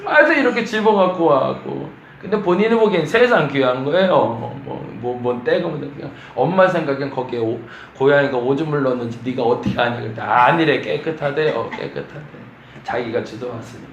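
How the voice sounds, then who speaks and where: A man's voice: medium pitch, lively intonation, brisk, gravelly, hardly any pauses, lo-fi sound, a little hiss or hum. A man preaching a morning prayer sermon as pastor, often acting out complaining prayers in a raised voice. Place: church sanctuary. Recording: echoey church room, faint ambience.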